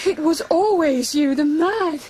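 A woman's voice: sits high, a little slow, darkish tone, a little hiss or hum. A woman playing a loving, anguished noblewoman with an earnest, impassioned manner in a radio drama. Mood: impassioned accusing. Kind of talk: theatrical radio drama acting.

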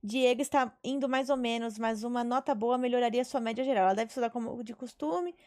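On the high side with a darkish tone, this young woman talks fairly quickly during a casual life-sim game stream. She swaps stories with her viewers and occasionally swears, captured by a headset mic in her small indoor bedroom setup.

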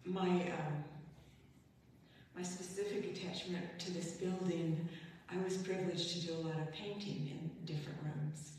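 An older woman giving brief farewell remarks to her congregation, slightly halting, in a chapel. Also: on the low side, steady tone, a little mellow, a little hiss or hum. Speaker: congregation member. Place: large chapel with hard walls. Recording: echoey chapel, voice far from mic.

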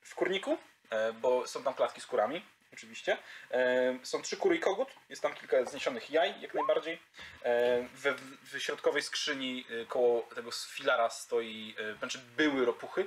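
A man's voice: mid-range voice, moderate pace, a little hiss or hum. A man narrating a tabletop game as game master, hesitant, with frequent fillers.

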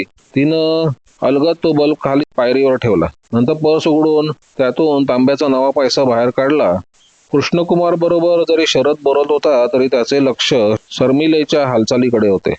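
A man narrating a detective story in a steady, dramatic reading. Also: medium pitch, no room sound, muffled recording.

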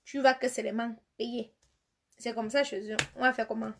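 Cameroonian woman streamer, somewhat high voice, chatty and teasing. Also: steady tone, moderate pace, gravelly, background noise. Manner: chatty, reads comments aloud, teasing and emphatic. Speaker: live streamer answering viewer comments. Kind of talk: casual live chat.

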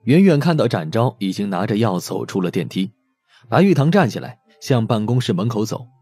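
A man's voice: fairly low pitch, big pitch swings, fairly quick, dark tone, husky, no echo. A man narrating a scripted audio drama as a dramatic storyteller. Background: background music.

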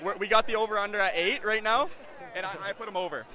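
A man's voice: sits high, fairly even intonation, fast, sharp tone, poor audio. A young man giving casual banter as an interviewee on the street. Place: outdoors at a crowded street party. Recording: busy outdoor crowd.

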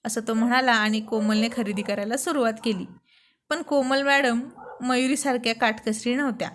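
A woman narrating a story in a lively, expressive reading. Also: a little high, moderate pace, slight background noise.

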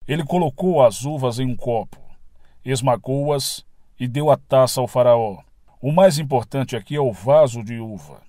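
A man with a Brazilian accent reading a spiritual lecture as scripted narration, in a measured, didactic way. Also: medium pitch, dark tone, no room sound, clean studio sound.

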